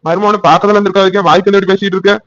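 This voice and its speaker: A man's voice: sits high, little pitch movement, racing, a bit bright, no echo, highs cut off. A man voicing a stern but soothing middle-aged village father in a cartoon, with a Tirunelveli Tamil accent and a lecturing, reproachful manner.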